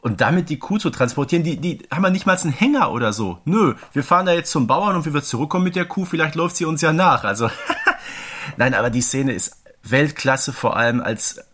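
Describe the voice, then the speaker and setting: A man's voice: fairly high pitch, animated, a little fast, fairly bright tone. A man chatting casually and emphatically as an enthusiastic podcast co-host. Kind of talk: casual chat reviewing an audio drama.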